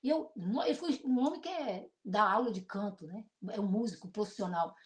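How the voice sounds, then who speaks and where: A middle-aged woman pastor with a Brazilian accent and a deep voice, preaching an emotional sermon built on personal testimony. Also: brisk. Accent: Brazilian Portuguese. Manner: emotional, animated storytelling with shifts between loud and soft.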